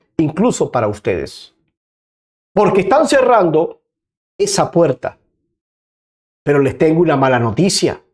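Against a quiet background, a man speaks at a fairly slow pace with long, frequent pauses. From Venezuela. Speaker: political commentator. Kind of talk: political commentary. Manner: animated. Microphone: lapel.

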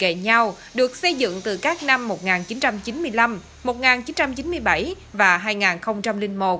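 A woman speaks at a fairly high pitch, and her voice swings very widely up and down. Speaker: news reporter. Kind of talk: scripted news narration.

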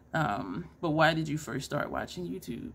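Her voice is somewhat breathy, and this woman's pitch swings very widely. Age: 50s. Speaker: beauty YouTuber. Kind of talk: casual monologue to camera. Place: home room. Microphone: phone near.

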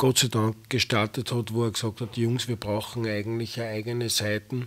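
A man talks in a flat, monotone intonation, keeping to a moderate pace. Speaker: metal band member and painter. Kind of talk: TV interview. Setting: TV studio. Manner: halting, repeats words. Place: studio. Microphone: handheld.

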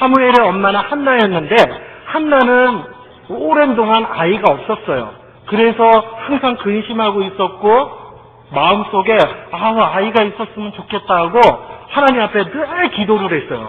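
Delivered at a moderate pace, the speech has long, frequent pauses. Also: man. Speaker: preacher. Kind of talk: sermon for children. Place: church.

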